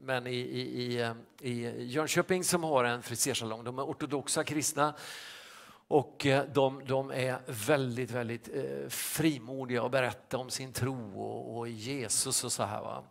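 Male pastor, mid-pitched, gravelly, halting storyteller. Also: fairly even intonation. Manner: halting, many restarts and fillers. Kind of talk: sermon anecdote.

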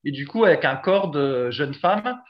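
A man's voice: a little high, expressive, unhurried, highs cut off. A man hosting a podcast in casual chat, talkative with lots of fillers and frequent laughter. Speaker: podcast host.

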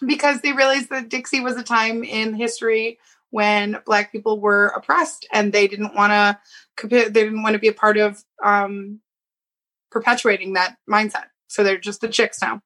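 A woman's voice: mid-range voice, little pitch movement, moderate pace, bright, forceful tone. A woman co-hosting a podcast, telling rambling stories in casual chat. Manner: rambling, filler-heavy storytelling. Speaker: podcast co-host.

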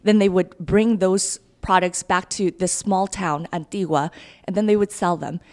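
Speaking as a guest on a podcast interview, a woman in her thirties who is running for mayor shares her story with upbeat earnestness. Born in Guatemala, raised in Kansas, with Spanish as her first language, she has a lowish, darkish voice that moves at a normal speed with fairly even intonation.

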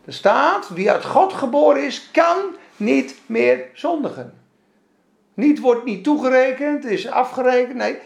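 Emphatic Bible study teacher in a roomy space. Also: high voice. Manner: emphatic, asks the group rhetorical questions. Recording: roomy echo.

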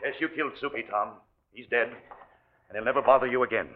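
An actor playing a calm, authoritative hospital doctor in a 1940s radio drama, soothing and firm. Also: male voice, medium pitch, fairly quick, noisy background, lightly acted. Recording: dull old radio broadcast.

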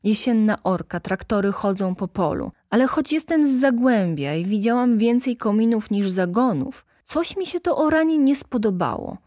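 A woman putting on a brisk, indignant activist woman. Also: on the high side, no echo, studio quality. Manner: lively, indignant storytelling. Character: brisk middle-aged woman party activist. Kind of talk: audiobook reading.

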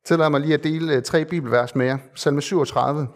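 A male preacher delivers a sermon in a fairly high voice. He speaks earnestly and conversationally, pausing on fillers and repeating phrases to stress his point. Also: fairly even intonation.

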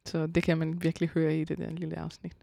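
A woman, a composer and vocalist, talking as a guest in a casual radio interview and often pausing to search for words. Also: low-pitched, monotone, vocal fry, mellow, no room sound, studio quality. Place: concert hall.

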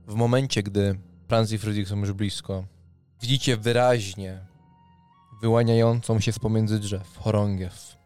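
Male game master: smooth low voice, dramatic narration of tabletop fantasy, light music behind. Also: fairly even intonation, darkish tone. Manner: deliberate, dramatic phrasing with pauses. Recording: music under the voice.

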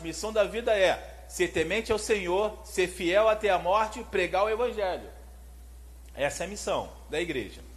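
A man preaching a sermon, animated and conversational, often putting questions to his listeners. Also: high-pitched.

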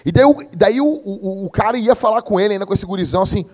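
A young adult man, preaching a sermon as pastor in a slangy, animated storytelling manner. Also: high-pitched, quick pace. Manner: slangy, animated storytelling, peppered with "meu" and "cara".

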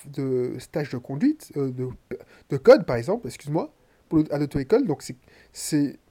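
A man's voice: sits high, dark tone. A man from Martinique with a head cold, a podcaster and coach talking bluntly and slangily straight to the listener in a casual monologue.

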